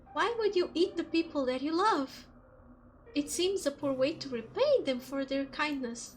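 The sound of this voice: A woman's shaky, high-pitched, put-on character voice at a moderate pace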